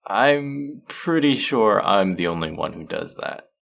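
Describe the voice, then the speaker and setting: A man's voice: lowish voice, lively intonation, a little slow, gravelly, a bit bright, exaggerated voice. A man playing a friendly, teasing, slightly bashful young traveler in a casual, intimate one-sided audio roleplay. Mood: friendly, playful.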